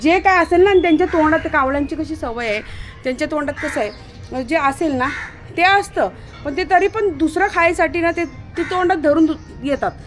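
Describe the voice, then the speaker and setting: A woman vlogging casually outdoors at home while doing chores, talking straight to her viewers and calling loudly to her dog. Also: sits high, moderate pace, faint music behind. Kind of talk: casual home vlog narration. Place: outdoors at home, washing dishes in the morning.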